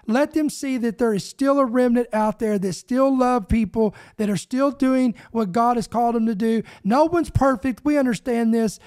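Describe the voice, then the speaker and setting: Middle-aged man, podcast preacher, fervent, emphatic, leading prayer, close boom mic, small home studio. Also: darkish tone. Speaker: ministry podcast host. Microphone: boom microphone close to the mouth.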